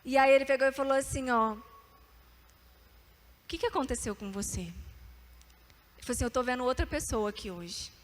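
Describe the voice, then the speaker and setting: A woman's voice: high-pitched, moderate pace, long pauses. A young woman from Brazil preaching to a youth group, telling her own story and calling out for amens and repeat-after-me lines. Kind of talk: sermon with testimony.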